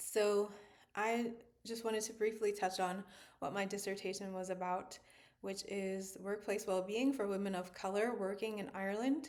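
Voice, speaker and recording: Audible room echo frames a woman speaking with an American accent at a moderate pace. Her pitch is medium and her intonation fairly even. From United States. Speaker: coach and psychology researcher. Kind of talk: casual vlog monologue. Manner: conversational, with filler words.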